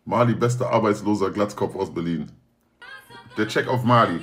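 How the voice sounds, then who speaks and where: A man's voice: lowish voice, normal speed, a bit bright, soft background music. A young man talking casually to viewers on a livestream, slangy and joking, often swearing oaths. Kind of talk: casual stream chat.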